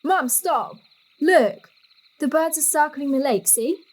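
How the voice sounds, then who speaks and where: An actress playing an inquisitive, slightly impatient teenage daughter with a plain-spoken, questioning manner in an audio drama. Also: female voice, high voice, takes it slowly, rough recording. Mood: restless.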